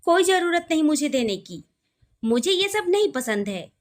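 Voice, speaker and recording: A woman's voice: high-pitched, sing-song, moderate pace. A woman reading the part of a curt, resentful young woman. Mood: annoyed. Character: sulky young woman, sharp-tongued.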